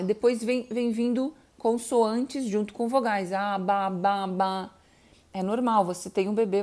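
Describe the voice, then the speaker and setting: A middle-aged woman with a warm voice on the high side gives an educational talk to parents about children's speech. She explains patiently, calls out to listeners and sounds out baby syllables.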